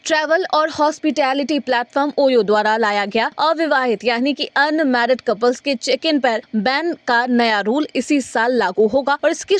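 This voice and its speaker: A woman anchor reading a scripted news report in a formal, steady delivery. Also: high-pitched, dry recording.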